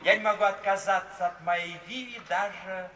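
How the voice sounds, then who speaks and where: An actor playing a cheeky, flippant young gentleman suitor in a theatrical radio drama, teasing with ironic politeness. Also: high voice, moderate pace. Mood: flippant, defiant. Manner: ironic mock-polite banter. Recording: noisy 1950s recording, distant and echoey hall.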